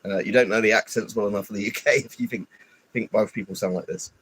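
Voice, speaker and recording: A man's voice: lowish voice, fairly even intonation, fast, fairly bright tone, slightly rough. A man rambling and grumbling through a casual live stream, stuffy with hay fever and swearing often. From United Kingdom. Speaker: livestreamer.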